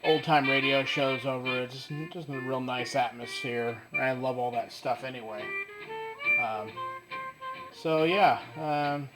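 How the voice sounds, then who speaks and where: Slow, halting man showing off a radio. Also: mid-range voice, poor audio. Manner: halting, with many fillers and restarts. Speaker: radio collector demonstrating his radio. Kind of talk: casual show-and-tell. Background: faint music from the radio.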